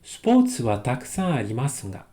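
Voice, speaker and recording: Calm low-voiced teacher. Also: male voice, soft background music. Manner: reads Japanese slowly, then explains in French. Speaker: Japanese teacher. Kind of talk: language lesson reading a text aloud.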